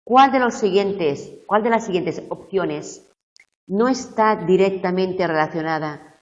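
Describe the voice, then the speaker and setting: A woman university tutor going over exam questions slowly, checking whether her students follow. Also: fairly low pitch, distant mic, muffled recording.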